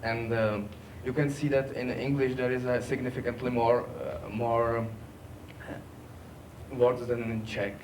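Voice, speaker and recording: A man giving a technical workshop presentation, halting with many fillers. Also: mid-range voice, little pitch movement, a little mellow. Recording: distant mic, background noise.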